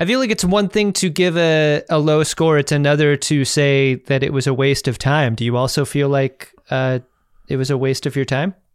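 A man with an unremarkable speaking voice talks at a moderate pace, his pitch fairly high with ordinary variation. His loudness stays very even on a very clean recording with a silent background. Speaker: podcast co-host. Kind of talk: casual chat.

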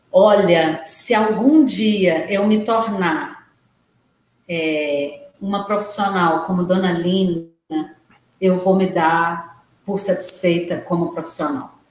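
Delivery is at a very slow pace. The pitch varies in an ordinary way. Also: woman, medium pitch for a woman. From Minas Gerais interior, Brazil. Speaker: psychologist. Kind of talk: interview conversation. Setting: online live stream.

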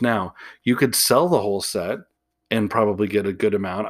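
On a very clean recording with a silent background, a man speaks at a moderate pace in a fairly low pitch with ordinary pitch variation. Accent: American. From Chicago. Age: 50s. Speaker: podcast host, sports card collector. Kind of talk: solo podcast monologue. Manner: hesitant, many fillers.

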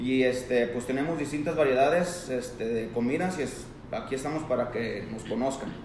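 A man's medium-pitched voice at a moderate pace with ordinary pitch variation, plus audible room echo and noticeable background noise. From Jalisco, Mexico (Tecolotlán). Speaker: restaurant owner. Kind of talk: casual interview. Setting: restaurant.

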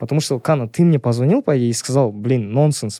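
A man of medium pitch with a dark, mellow tone and lively intonation, fairly quick, dry and close with no echo, on a very clean recording with a silent background. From Kazakhstan, Pavlodar. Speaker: musician, group member. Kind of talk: casual chat.

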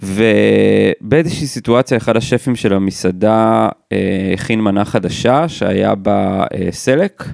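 Pitched fairly low, a man speaks at a very slow pace with hardly any pauses. His pitch variation is ordinary. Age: 40s. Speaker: chef and cooking teacher. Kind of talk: casual interview chat.

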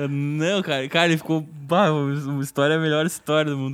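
A man with a fairly high pitch, a fairly quick pace, fairly even intonation and a plain, everyday voice. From Rio Grande do Sul interior, Brazil. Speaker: musician. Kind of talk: casual chat.

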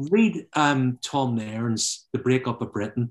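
A man with a Northern Irish accent, medium in pitch, with ordinary pitch variation. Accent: Northern Irish (Belfast). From Northern Ireland, outskirts of Belfast. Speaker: university lecturer. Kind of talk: panel discussion.

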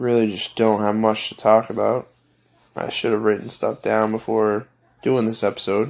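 A man speaks with an American accent. His pitch is fairly low and his intonation monotone and flat. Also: moderate pace. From Florida. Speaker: podcast host. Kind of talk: solo casual monologue. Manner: rambling, hesitant with fillers.

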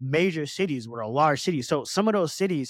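In a plain, everyday voice, a man with an American accent talks at a fairly quick pace, his pitch fairly high with ordinary variation. The sound is dry and close with no echo, on a very clean recording with a silent background. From Detroit, US Midwest. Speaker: podcast host. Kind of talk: casual chat.

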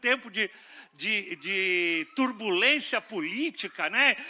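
A man's raised, projected voice with a bright, sharp tone and lively intonation, on a very clean recording with a silent background. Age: 50s. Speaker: pastor. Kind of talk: sermon. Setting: church.

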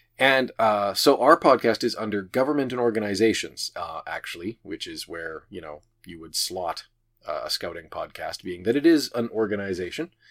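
A man's loudness rises and falls sharply as he talks at a moderate pace. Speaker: podcast host and scout leader. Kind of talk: casual conversation.

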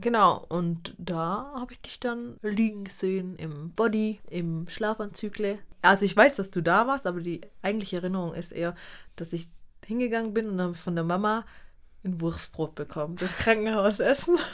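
In a very clean recording with a silent background, a woman uses a plain, everyday voice at a medium pitch and a moderate pace, with ordinary pitch variation. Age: 20s. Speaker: social worker. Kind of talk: casual chat.

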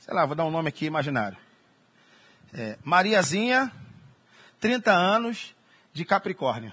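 Against a quiet background, a man with a high pitch and a bright, sharp tone talks at a fairly slow pace, with very wide pitch swings, big swings in loudness, and long, frequent pauses. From Rio de Janeiro, Brazil. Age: 30s. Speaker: pastor. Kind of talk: sermon. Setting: church.

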